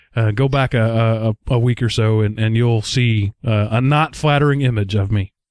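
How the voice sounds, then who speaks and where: A man speaks at a moderate pace and medium pitch with hardly any pauses, fairly even intonation and very even loudness. The recording is very clean and silent in the background, with a dry, close sound and no echo. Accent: American. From Texas. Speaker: podcast host. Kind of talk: casual podcast chat.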